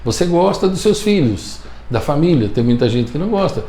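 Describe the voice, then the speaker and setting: Gravelly Brazilian man, emphatic coach. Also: on the high side, sing-song, a little fast, dark tone, roomy sound. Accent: Brazilian Portuguese. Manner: emphatic, repeats key points, often checks in with "entendeu?". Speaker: communication coach. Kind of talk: motivational talk to camera.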